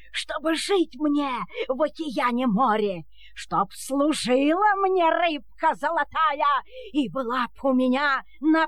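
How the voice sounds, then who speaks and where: Shrill-pitched, domineering old wife. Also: female voice, a bit bright, no echo, clean studio sound, heavily acted. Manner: imperious, scolding, commanding. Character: domineering, ill-tempered old peasant wife turned noblewoman. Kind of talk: fairy-tale audio drama acting.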